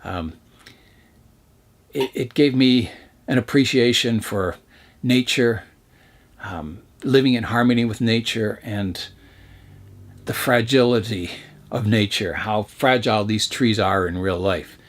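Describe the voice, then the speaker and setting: A man talking earnestly about his hobby, hesitant, with many pauses and restarts. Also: lowish voice. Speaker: bonsai hobbyist. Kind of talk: casual reflective talk.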